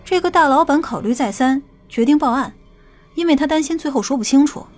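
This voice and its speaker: A woman playing a stern, knowing female investigator in an audiobook, with a brisk, assertive manner. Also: high-pitched, animated, faint music behind. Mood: explaining. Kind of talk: audiobook character dialogue.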